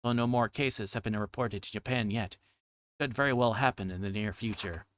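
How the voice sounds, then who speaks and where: A man's voice: fairly low pitch, a little fast, fairly bright tone, a little hiss or hum. A man livestreaming a game, reading its text aloud and sometimes stumbling over difficult words.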